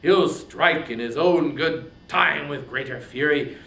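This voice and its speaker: A man's voice: slow pace, full character voice. A man voicing an anguished, wrathful warrior king in a declamatory, impassioned reading of epic poetry. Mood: outraged. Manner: impassioned, declamatory, swinging from shouts to breathy whispers. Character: anguished, wrathful warrior king grieving over wounded brother. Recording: roomy, echoing, faint background rumble.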